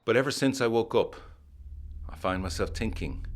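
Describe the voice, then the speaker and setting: Playing a former army captain and introspective 1920s gentleman in a gothic audio drama, an actor reads a letter with shaken unease, formal, measured and grave. His voice sits on the low side and stays close to everyday speech, with slight background noise.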